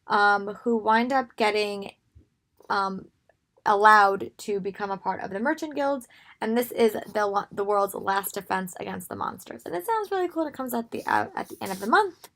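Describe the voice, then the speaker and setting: A young woman who has lost her voice, sounding hoarse and strained, chatting casually and rambling with many pauses about books she wants to read. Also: mid-range voice. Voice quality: gravelly, strained. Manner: rambling with frequent ums. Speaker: book vlogger. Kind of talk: casual book haul talk.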